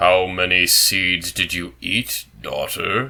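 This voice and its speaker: Very slowly, a man delivers a put-on character voice. It is raspy and pitched very deep and low. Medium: read story.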